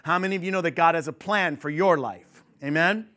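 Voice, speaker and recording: A man in his fifties from New York preaches to his congregation in a fairly high voice at a fairly quick pace. The sermon is conversational and warmly humorous, with lots of chatty asides and fillers.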